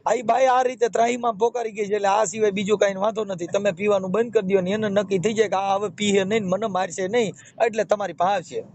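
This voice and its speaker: A man's voice: high-pitched, fairly even intonation, quick pace, hardly any pauses, a little mellow. A man with a Saurashtra Gujarati accent giving advice on a phone call, explaining step by step and repeating himself. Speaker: phone counselor and marriage mediator. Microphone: telephone. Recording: muffled, noisy phone call recording.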